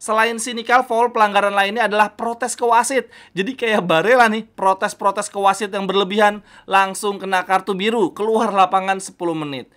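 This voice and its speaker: Jakarta indonesian woman doing chatty football news, informal, talks right to viewers, mid pitch. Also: steady tone, normal speed, fairly bright tone. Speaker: host of a football news channel. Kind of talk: casual sports news commentary to viewers.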